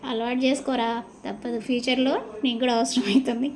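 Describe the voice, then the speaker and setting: A woman's voice: a little high, flat delivery, fast, darkish tone, natural voice. A woman voicing a middle-aged father in a joke who lectures his son. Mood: lecturing.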